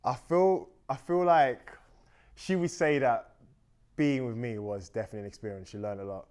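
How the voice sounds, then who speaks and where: A man's voice: medium pitch, normal speed, darkish tone. A young man from Austria, a native German speaker, chatting on a date in a talkative, reflective, rambling way. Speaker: dating show guest. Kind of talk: casual dating conversation.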